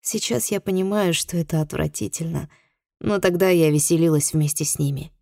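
Woman audiobook narrator, warm low voice, tense expressive first-person read. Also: brisk, vocal fry, no echo, studio quality.

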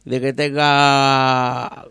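Halting mock-pompous man. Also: medium pitch, level tone, creaky, pushed and bright, clear, resonant tone, no echo, clean studio sound. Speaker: co-host. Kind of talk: improvised comedy banter.

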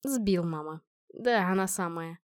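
A woman voicing a shy, earnest young man in a storybook reading, speaking low and hesitantly. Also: measured pace, dry recording, studio quality, close to an everyday voice. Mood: tender.

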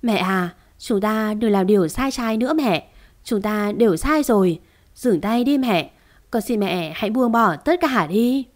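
A woman's voice: mid-range voice, expressive, a little slow, lightly acted. A woman reading the part of a wounded young man who speaks with remorse and pleading.

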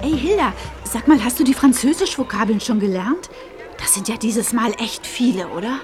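A spirited teenage schoolgirl, as a woman acts her out in a radio play, speaking a little high with lively, swinging intonation. She is direct and quick to take up a friend's cause. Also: faint music behind, natural voice. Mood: friendly. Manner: direct and indignant.

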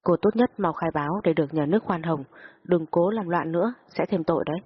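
A curt male police officer, voiced by a woman warns sharply. The tone is low and husky. The audio-story recording sounds dull and lo-fi. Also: fast talker, no room sound. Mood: warning. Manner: curt, warning. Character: stern male police officer warning her.

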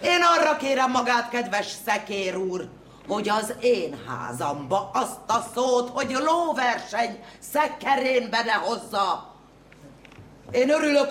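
A woman's voice: fairly high pitch, a bit bright. An actress playing a bossy, nagging lady of the house in an old radio cabaret sketch, scolding and indignant. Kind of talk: 1930s radio cabaret acting. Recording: echoey, slightly hissy old radio recording.

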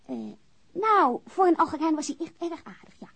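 A woman's voice: very high voice, lively intonation, moderate pace, fairly bright tone, no echo, full character voice. An actress playing a grasping, self-pitying old widowed landlady in a radio drama, chatty and complaining. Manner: complaining, chatty, tagging sentences with questions.

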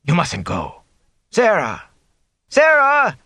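A man's voice: sits high, wildly swooping pitch, takes it slowly, creaky, pushed and bright, no echo, pitched above the performer's own voice, full character voice. A man voicing a flustered male innkeeper who pleads and protests. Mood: pleading, panicked.

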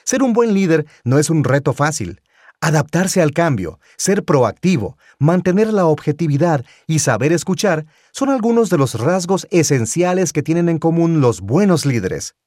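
Man, radio announcer, polished, animated, dry studio mic. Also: fairly high pitch, normal speed, no echo. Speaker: radio show host. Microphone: studio microphone.

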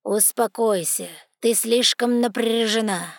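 A woman voicing a proud, sardonic male talking raven with a hoarse, croaking voice and a slow, cold, mocking manner. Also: on the high side, steady tone, dry recording, studio quality. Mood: curt, aloof. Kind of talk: audiobook character voice.

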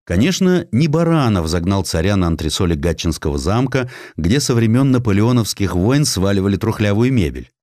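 A man reads historical prose in a low voice with very lively intonation. He tells it theatrically, as a scripted audiobook narrator, in a dry, close recording. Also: fairly quick, few pauses, no room sound. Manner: theatrical storytelling, acting out quotes.

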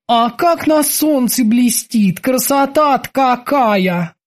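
A man voicing a skinny male boatswain on a boat, high-pitched, eager and earnest. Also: lively intonation, takes it slowly, full character voice.

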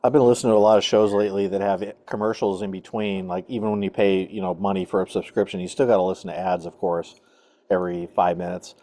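A man's voice: deep voice, little pitch movement, fast talker, dark tone, dry recording. A man co-hosting a casual comedy talk show, wry and musing. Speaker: co-host.

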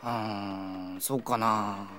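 A male voice actor playing a flustered, lovesick high school boy in a Japanese anime-style audio drama, excitable and full of self-doubt. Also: slow pace. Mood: troubled, confused. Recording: background music under the voice.

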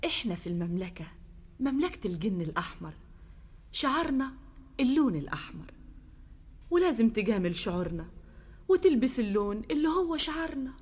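A woman's voice: a little high, big pitch swings, a little fast, long pauses, a little mellow, breathy edge. An Egyptian woman playing a poised, affectionate princess of the jinn in a theatrical drama. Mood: coaxing. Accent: Egyptian Arabic.

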